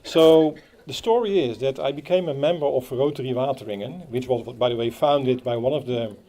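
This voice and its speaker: A man with a Dutch accent giving a halting speech at a playground opening, with many fillers and restarts. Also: medium pitch, dark tone. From Netherlands. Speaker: Rotary club speaker. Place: outdoor playground.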